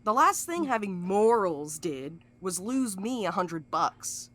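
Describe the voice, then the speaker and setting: An actress in an audio drama playing a cynical, sharp-tongued schemer with a wry, blunt, folksy way of talking. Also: female voice, mid-range voice, very animated, slow. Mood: sardonic.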